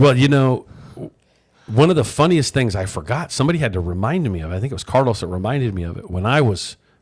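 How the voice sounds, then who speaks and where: A man talks at a very fast clip. His pitch swings very widely. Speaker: radio host. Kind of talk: casual chat. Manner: loud.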